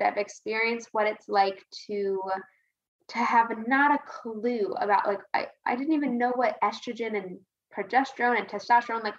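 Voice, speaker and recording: A woman's voice: on the high side, fairly bright tone, highs cut off. A woman podcast guest talking casually and earnestly, rambling a little and repeating points for emphasis. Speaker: podcast guest, women's health advocate. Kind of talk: casual conversational interview answer.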